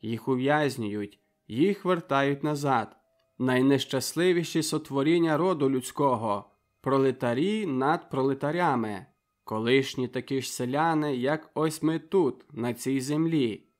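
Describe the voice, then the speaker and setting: A man's voice: mid-range voice, a little slow, natural voice. A man reading a young villager's fiery, declamatory speech to a crowd in an audiobook. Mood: rousing. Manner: rousing, declamatory.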